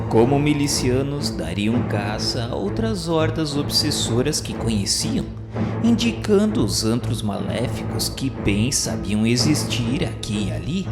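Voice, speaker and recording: A man narrating a radio novel in a measured, solemn literary reading. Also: medium pitch. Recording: roomy reverberant sound with music bed. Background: music.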